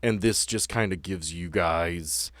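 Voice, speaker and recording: A man's voice: low-pitched, a little slow, a bit bright, dry recording, studio quality. A man acting as game master, narrating and refereeing a tabletop game in a casual, explanatory way with vivid descriptions.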